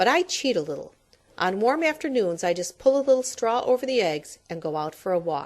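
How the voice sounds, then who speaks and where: A woman uses a put-on character voice at a fairly high pitch. She moves at a fairly quick pace with very wide pitch swings. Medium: read story. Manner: repeats syllables, chatty.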